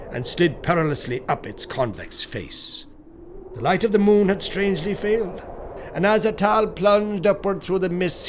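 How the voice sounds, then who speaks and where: Solemn, higher-pitched male horror narrator. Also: slight background noise. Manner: solemn, theatrical, deliberate phrasing. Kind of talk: dramatic scripted narration of gothic horror.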